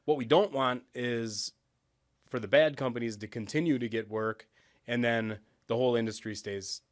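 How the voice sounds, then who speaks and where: Plainspoken man with a Wisconsin accent. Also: mid-range voice. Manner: plainspoken, self-deprecating, halting restarts. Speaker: guest, operations executive. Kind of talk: casual interview talk.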